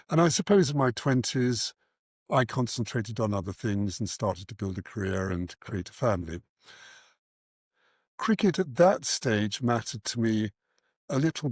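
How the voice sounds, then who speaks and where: A middle-aged man speaks as an interview guest, earnest and articulate. He sits at a medium pitch and measures out his thoughts with pauses, in a close, dry sound. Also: dry recording. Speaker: interview guest, charity founder and cricket coach. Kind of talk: reflective interview answers.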